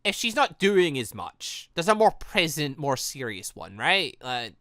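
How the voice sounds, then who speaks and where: An excitable gaming video host giving rambling let's play commentary, with exclamatory, theatrical reactions. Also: medium pitch, measured pace, no room sound, studio quality. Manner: rambling, self-confessed ranter.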